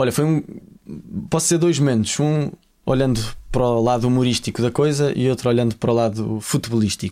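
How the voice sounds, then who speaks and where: Speaking at a fairly quick pace, a man with a medium pitch and a dark, mellow tone keeps very even loudness and ordinary pitch variation. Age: 20s. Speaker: football coach and commentator. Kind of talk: casual interview.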